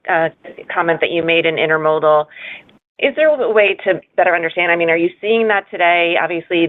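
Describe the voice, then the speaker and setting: A woman calling in as a financial analyst, asking a question in an informal, thinking-aloud way. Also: on the low side. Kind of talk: conversational question on an earnings call. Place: telephone conference call. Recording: phone line with faint noise.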